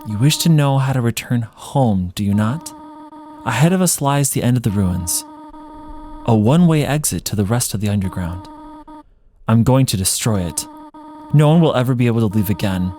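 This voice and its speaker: A man voicing a gentle, doting motherly woman monster from a video game, with a hesitant, fussing, tender manner. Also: medium pitch, lively intonation, normal speed, a little hiss or hum, close to an everyday voice. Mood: grave, stern. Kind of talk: video game character read-along.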